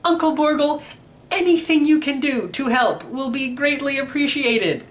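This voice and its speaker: A man's voice: extremely high pitch, moderate pace, a bit bright, pitched above the performer's own voice. A man voicing an anxious, bewildered young boy in a storybook, fretful and full of questions. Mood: earnest. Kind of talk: storybook character reading.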